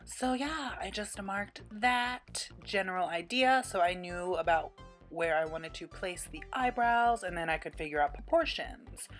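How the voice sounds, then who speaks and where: A woman with a fairly low voice talks through a makeup tutorial over clearly audible music. She is casual and chatty, keeping her delivery informal with a playful, quirky streak. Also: measured pace.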